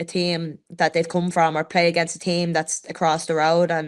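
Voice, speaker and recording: On a very clean recording with a silent background, a woman with a Dublin accent speaks at a moderate pace and a fairly low pitch. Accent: Dublin Irish. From Dublin, Ireland. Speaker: rugby player and podcast co-host. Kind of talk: sports podcast discussion. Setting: video podcast. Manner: halting, many false starts.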